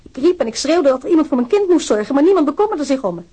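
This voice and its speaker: An actress playing a distressed, wronged mother who gives earnest, measured testimony in a radio drama. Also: high voice, big pitch swings, mellow. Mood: upset, insistent. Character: wronged, distressed mother giving written complaint about police.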